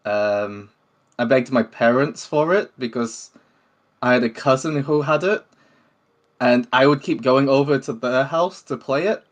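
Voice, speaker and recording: A man's voice: medium pitch, measured pace. Man chatting casually as a guest. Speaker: interview guest, game developer. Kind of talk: casual chat.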